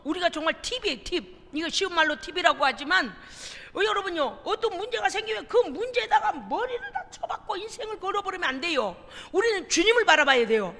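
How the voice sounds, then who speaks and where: A woman pastor preaching a lively sermon in a church, emphatic and often prompting the congregation for responses. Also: very high voice, creaky. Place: church sanctuary. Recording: long reverb of a church hall.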